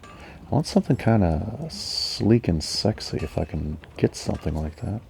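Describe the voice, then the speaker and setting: A man giving calm gaming commentary, musing slowly and mellowly to himself. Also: sits low, vocal fry, a little hiss or hum. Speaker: gamer.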